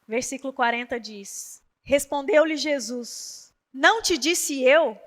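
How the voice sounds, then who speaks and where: A woman's voice: high voice, slow, a bit bright, long reverb tail. A woman preaching a sermon at a women's meeting in a church. She tells the story animatedly and acts out the quoted voices. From Brazil. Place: church hall.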